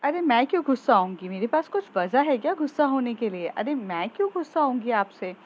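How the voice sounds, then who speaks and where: A woman's voice: on the high side, animated, brisk, dull audio, slight background noise, pitched above the performer's own voice, lightly acted. A woman voicing a sulky young schoolgirl who complains and takes offense, in a storybook tale.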